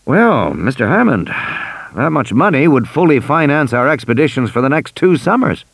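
A narrator's take on a reluctant male scientist, polite but holding back. The delivery is slowed and hesitant, recorded dry and near. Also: mid-range voice, big pitch swings, creaky, husky, no echo, heavily acted.

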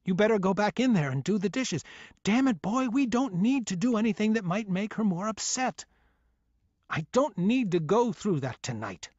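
A man voicing a weak, evasive father who is gruff and fearful, urging in hushed tones. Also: a little high, animated, takes it slowly, pauses often, dry recording, highs cut off. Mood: exasperated.

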